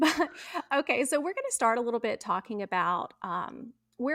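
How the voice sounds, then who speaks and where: A woman with a Southern accent and a bright, sharp tone at a moderate pace, in a very clean recording with a silent background and a dry, close sound with no echo. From US South, South Carolina and Alabama. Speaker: nurse and podcaster. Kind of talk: casual chat.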